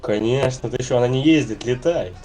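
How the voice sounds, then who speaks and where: A man's voice: mid-range voice, fairly quick, over music. A man playing along in an online role-play game, chatting casually and in character over voice chat.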